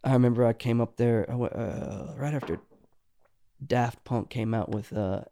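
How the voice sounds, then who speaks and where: Middle-aged guy rambling bout music life, lots of "you know", mellow tone. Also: mid-range voice, moderate pace, gravelly, a little hiss or hum. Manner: rambling, restarts often, says "you know" a lot. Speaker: songwriter guest. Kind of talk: casual podcast conversation.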